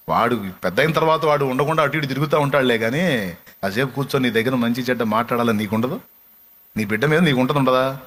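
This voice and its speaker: A man's voice: medium pitch, a bit bright, slight background noise. Man preaching an impassioned sermon. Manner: storytelling that builds to impassioned exhortation; asks the congregation direct questions. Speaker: pastor.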